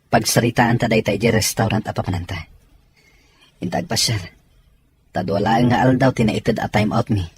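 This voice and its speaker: A man's voice: fairly low pitch, moderate pace, pauses often, breathy edge. A man with a Filipino accent acting an evasive philandering soldier in an audio drama. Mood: flirtatious. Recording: some background noise.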